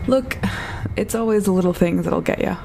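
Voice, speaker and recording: An actor playing an easygoing, gently teasing colleague in a sci-fi audio drama. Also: mid-range voice, normal speed, gravelly, a little hiss or hum, lightly acted, low-quality recording. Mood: light, teasing.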